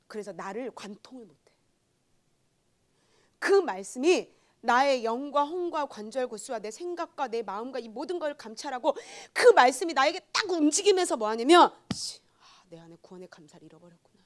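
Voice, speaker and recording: Young woman preacher, high voice, very lively delivery, loud bursts and whispered asides, testimony sermon. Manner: animated storytelling, swings between loud outbursts and hushed asides. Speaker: junior pastor.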